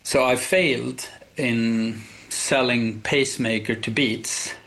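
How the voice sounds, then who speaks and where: A middle-aged man whose first language is Swedish, a company founder reflecting on his past as a radio interview guest, halting now and then with restarts. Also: mid-range voice, steady tone, creaky, fairly bright tone, poor audio. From Sweden.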